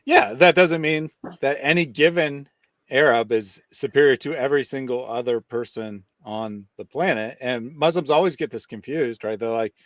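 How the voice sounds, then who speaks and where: A man co-hosting a commentary chat, explaining his points in a dry, measured way. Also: medium pitch, dry recording. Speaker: co-host.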